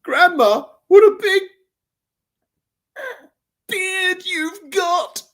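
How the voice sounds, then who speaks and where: A woman's voice: extremely high pitch, expressive, very slow, fairly bright tone, voice pushed up, exaggerated voice. A woman voicing a rude, bossy young girl in a green hood who snarls and whines nastily. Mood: mocking. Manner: snarling, whining, nasty.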